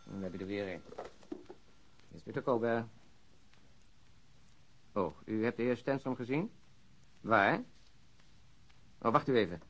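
An actor playing a busy police officer in a radio drama, wry and businesslike. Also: male voice, lowish voice, measured pace, long pauses, rough recording. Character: busy male police officer fielding tip-off calls. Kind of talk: Dutch radio drama dialogue.

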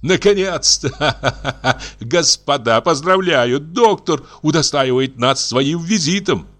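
A bitter, enraged patient shrieks his accusations, his voice climbing high and sharp with contempt. A man voices him in an audiobook reading, with lively swings in pitch. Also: normal speed. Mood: mocking. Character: enraged male mental patient, shrill and bitter.

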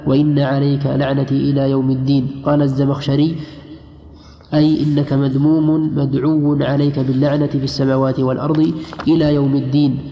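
A man reading texts aloud in a lesson for a teacher, in a steady, even voice. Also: medium pitch, slight background noise. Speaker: student reader. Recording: dull lo-fi recording in an echoey hall.

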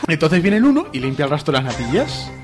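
A man co-hosting a comedy podcast, telling a comic story about a video game in an animated way, often laughing and jumping into squeaky voices. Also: fast, faint music behind. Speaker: podcast co-host.

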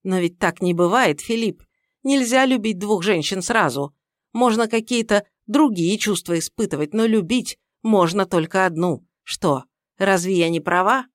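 A woman's voice: fairly high pitch, big pitch swings, normal speed, no room sound, studio quality, pitched above the performer's own voice. A woman voicing an older, domineering mother-in-law who scolds her son-in-law in a raised, indignant voice, read as an audiobook character. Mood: reproachful.

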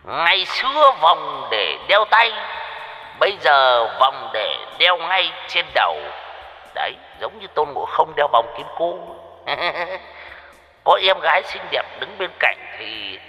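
A man puts on a boastful old village joker who talks slowly and swings his voice up and down. The voice is bright. It rings in a long reverb with music playing softly behind. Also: fairly high pitch, very animated, heavily acted. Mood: boastful, joking. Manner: joking, boastful patter with laughs.

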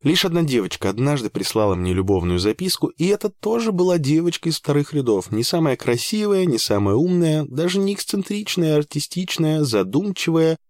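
A man narrating a first-person audiobook in an even, measured way with dry understatement. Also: on the high side, no room sound.

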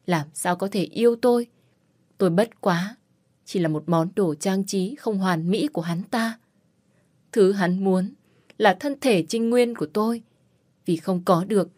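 A woman narrating a first-person novel in a sorrowful, measured way. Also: medium pitch, a little mellow. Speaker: audiobook narrator.

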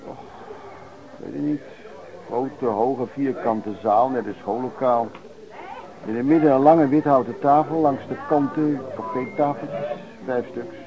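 Man playing a lively-tongued old-time vagrant storyteller, dull recording. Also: medium pitch, unhurried, crowd noise, lightly acted. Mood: reflective. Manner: colloquial, hesitant, anecdotal raconteur with old-fashioned turns of phrase. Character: rough, hard-drinking male vagrant pedlar reminiscing about lodging-house life. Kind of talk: Dutch radio play storytelling. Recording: dull, lo-fi radio play recording.

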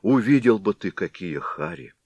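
A man's voice: medium pitch, measured pace, dry recording, lo-fi sound, pitched above the performer's own voice. A man reading an audiobook, voicing frightened village constables who plead and tell what happened. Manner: pleading, excited.

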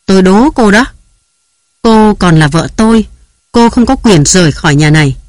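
A man's voice: high-pitched, lively intonation, moderate pace, no echo, studio quality. A man reading aloud who voices a jealous, domineering young husband barking harsh commands and threats.

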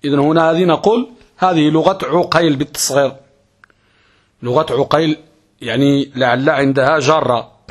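A husky, medium-pitched male voice belongs to a sheikh teaching Arabic grammar. He explains things step by step, answering questions he puts to himself, and chants verse unhurriedly.

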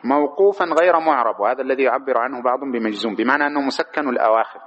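Speaking at a racing pace in a mid-range, fairly bright voice, a man leads a line-by-line lesson on a religious law text, recorded with dull audio. This Islamic jurisprudence teacher answers his own rhetorical questions and illustrates good and bad pronunciations.

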